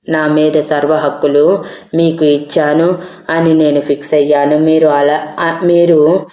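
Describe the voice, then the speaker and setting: A headstrong, devoted young woman from a spoken love story, insisting firmly on her choice, as a woman reads her. Her voice is low and dark, and it barely rises or falls. The room echoes around her. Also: close to an everyday voice. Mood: defiant. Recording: roomy echo.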